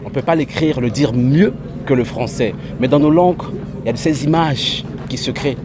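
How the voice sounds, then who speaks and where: Reflective man amid street traffic. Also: medium pitch. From Republic of the Congo. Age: 30s. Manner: reflective, deliberate explanations. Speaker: slam artist. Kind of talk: interview answers. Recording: street noise with passing traffic.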